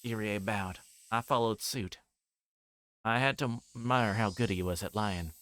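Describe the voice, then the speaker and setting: A man's voice: lowish voice, a little slow, a bit bright. A man livestreaming a visual novel, reading the story aloud as narration with his own asides and voicing the dialogue. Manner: voices characters' dialogue while reading.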